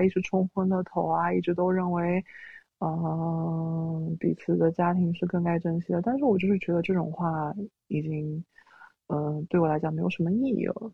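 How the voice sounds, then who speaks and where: A woman's voice: fairly low pitch, gravelly, slightly rough, dry recording. A woman guest telling a personal story through a voice changer, often quoting her own words. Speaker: interview guest. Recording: dull lo-fi audio.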